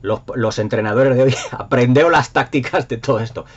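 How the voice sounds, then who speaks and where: A medium-pitched man's voice at a moderate pace carries an accent from Spain. This middle-aged YouTube host rambles to viewers in a casual, nostalgic, enthusiastic and emphatic way, and the sound quality is dull and lo-fi.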